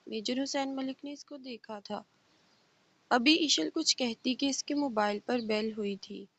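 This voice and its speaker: Female novel narrator, steady storytelling read; fairly high voice, muffled lo-fi audio. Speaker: novel reader. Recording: dull lo-fi recording.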